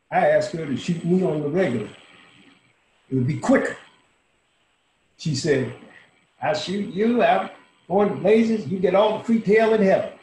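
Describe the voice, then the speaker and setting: A man's voice: a little high, a little mellow. An actor in his sixties playing a dying, world-weary old bar owner in a folksy, salty, intimate dramatic monologue. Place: small room at home, indoors. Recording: roomy home webcam audio, faint hiss.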